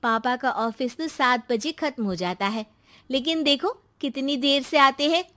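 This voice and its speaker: A woman's voice: high-pitched, unhurried, pushed and bright. A woman voicing a scheming young daughter in a cartoon who wheedles and manipulates her mother. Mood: wheedling. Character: scheming young woman plotting to seize family home.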